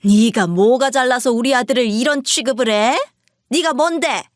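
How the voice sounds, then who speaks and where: A woman voicing a middle-aged mother-in-law who scolds in a piercing, shrill voice in a narrated story. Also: normal speed, no room sound, clean studio sound, close to an everyday voice. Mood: shrill scolding.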